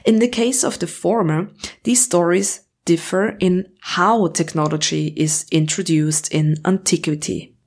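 A woman's voice: lowish voice, measured pace, darkish tone. A woman host reading scripted narration for a podcast report.

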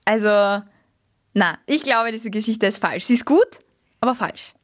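A woman's voice: a little high, expressive, a little slow. A woman, co-hosting a casual chat and telling stories with playful, dry irony. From Austria. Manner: playful, dry ironic humor. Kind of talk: casual chat, storytelling game.

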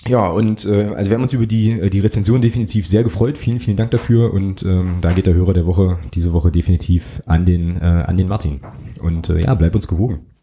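A man's voice: deep voice, fast talker, dark tone. A man co-hosting a casual fan podcast, rambling with many fillers and restarts. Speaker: podcast co-host.

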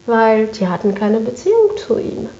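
Female interview guest, fairly high but soft-toned, emphatic repetition, conversational, slightly muffled room recording. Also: big pitch swings, normal speed. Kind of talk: conversational interview, recounting work experience. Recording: echoey room, dull muffled sound.

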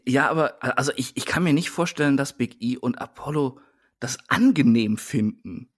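A man's voice: mid-range voice, lively intonation, moderate pace. A man co-hosting a casual wrestling podcast, ranting in an exasperated way. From Germany, Siegerland. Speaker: podcast co-host.

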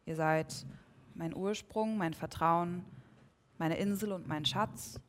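A woman's voice: on the low side, takes it slowly, a little hiss or hum. A young woman performing an earnest, rhythmic spoken word poem, then chatting with an interviewer. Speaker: poet.

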